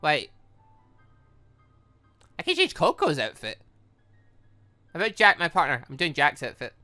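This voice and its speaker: Animated man doing let's play commentary. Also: a little high, unhurried, faint music behind. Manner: excitable, animated, thinking aloud. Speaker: gaming channel host. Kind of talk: let's play commentary, reading game dialogue aloud.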